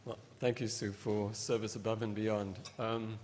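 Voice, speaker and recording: A man from South Africa moderating a session, speaking off the cuff with many pauses and restarts. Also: on the low side, little pitch movement, a little mellow, slight background noise. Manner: hesitant, many ums and restarts. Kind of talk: unscripted remarks. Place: lecture hall. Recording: lecture hall reverb.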